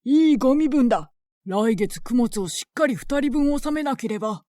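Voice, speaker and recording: A woman voicing gruff, scornful male village farmers who complain and bully with rough country speech. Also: high-pitched, animated, normal speed, dark tone, no room sound, clean studio sound.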